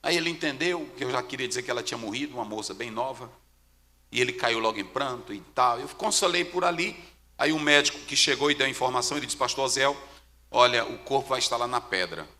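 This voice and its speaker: A Brazilian Portuguese-speaking male pastor preaching a sermon, telling stories with dramatic swings from hushed tones to shouts. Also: mid-range voice, fast, big-room sound. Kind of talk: sermon with storytelling. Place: church.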